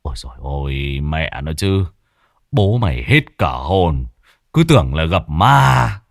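A man's voice: extremely low pitch, big pitch swings, unhurried, creaky, dry recording, clean studio sound, voice pushed down, exaggerated voice. A man voicing a frightened middle-aged builder who mutters coarse swear words under his breath. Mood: shaken.

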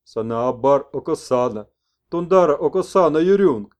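A man doing an excitable old shaman, loud and chanting. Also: on the high side, normal speed, natural voice. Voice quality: broken speech, chanting exclamations. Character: old toothless northern shaman messenger, excitable.

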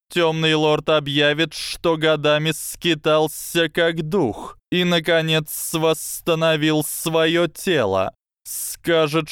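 A man voicing a cunning, sardonic male snake who lectures slowly and conspiratorially in an audiobook. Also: on the high side, a bit bright, clear, resonant tone, no room sound, pitched above the performer's own voice. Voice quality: hissing, dry sardonic tone. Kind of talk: audiobook character voice.

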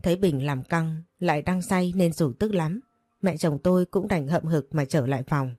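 A woman reading a dramatic first-person story aloud in a steady, unhurried narrating voice. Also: low-pitched, dry recording, studio quality, soft background music.

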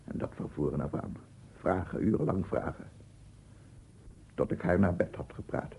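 An actor playing a brooding, solitary man musing to himself in a halting radio play monologue. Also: deep voice, gravelly, mellow, a little hiss or hum. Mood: weary, musing. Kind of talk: Dutch radio play acting. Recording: muffled lo-fi old radio recording.

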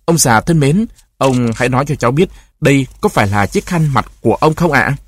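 A man voicing a cheerful, burly male oil driller who talks in a friendly, polite, coaxing way, with a husky voice. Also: medium pitch, animated, brisk.

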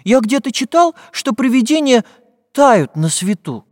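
A man voicing an eager, excitable young boy. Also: very high voice, unhurried, dry recording, clean studio sound, long reverb tail, voice pushed up, heavily acted.

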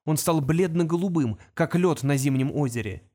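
A woman narrating an audiobook with an even, storytelling delivery. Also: deep voice, moderate pace. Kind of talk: scripted narration.

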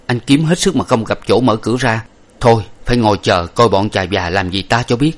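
A man's voice: lowish voice, brisk, natural voice. A man voicing a bold young hero who barks orders in battle. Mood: resolute. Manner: shouting orders, forceful. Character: bold young male hero, commanding swordsman.

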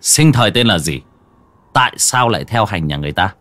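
A man's voice: fairly low pitch, expressive, brisk, a bit bright. A man playing a brash, foul-mouthed young exorcist who scolds and interrogates. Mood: scolding.

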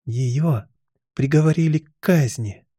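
A man reading a storybook aloud, voicing a timid, anxious white rabbit who speaks in nervous, hushed tones. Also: medium pitch, fairly quick, voice pushed up, lightly acted.

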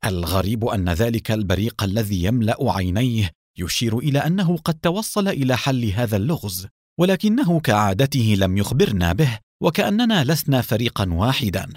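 A man's voice: medium pitch, very animated, fairly quick, no room sound, clean studio sound. A man voicing a young woman, a proud sound expert on a team, in a storybook reading. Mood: troubled.

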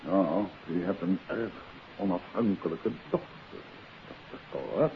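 A man's voice: low voice, measured pace. A man playing a confident author-detective in a 1950s radio play, coaxing and insistent as he questions. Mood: firm, wry. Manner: urbane, persistent, adds questioning tags. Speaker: radio drama lead actor. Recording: hissy, muffled 1950s radio recording.

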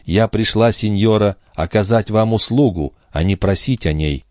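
A man reading a storybook aloud, voicing a sorrowful, selfless young gypsy woman in a soft, earnest tone. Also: fairly low pitch, normal speed, no room sound, studio quality, lightly acted. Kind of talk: audiobook reading.

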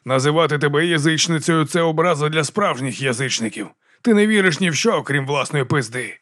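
A man voicing a sardonic aristocratic baron who drawls slowly and mockingly. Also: medium pitch, dry recording, natural voice. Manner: slow, dry and mocking.

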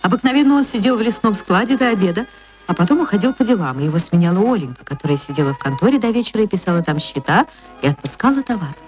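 A woman narrating an old radio play with an emotional manner and sweeping pitch swings. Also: animated, fast talker, darkish tone, soft background music.

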